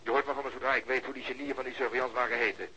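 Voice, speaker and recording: Very fast, forceful police detective. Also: male voice, medium pitch, steady tone, a little hiss or hum, low-quality recording. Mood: matter-of-fact. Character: matter-of-fact, gruff male police detective. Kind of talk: radio drama dialogue.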